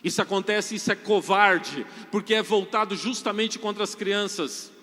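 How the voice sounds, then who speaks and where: A man's voice: high-pitched, moderate pace, bright, forceful tone. A Brazilian man preaching a sermon as a Catholic priest, emphatic and repetitive, speaking straight to the congregation. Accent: Brazilian Portuguese. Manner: emphatic, repetitive, addresses the crowd directly. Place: large church hall with long reverb. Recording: long hall reverb.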